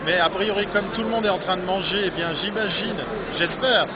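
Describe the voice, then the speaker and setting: A man's voice: sits high, brisk, background noise. A man doing a casual live interview, hesitating and rephrasing his questions as he goes. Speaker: interviewer hosting a live web video. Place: busy, cold conference venue in Paris. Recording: dull lo-fi live stream, loud crowd.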